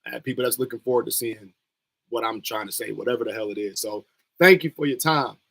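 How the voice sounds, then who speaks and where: A young man with a scratchy, creaky voice hosts a wrestling watch-along livestream, rambling loosely in slang. His pitch is medium and his tone a bit bright, and he talks fast in casual chat with viewers.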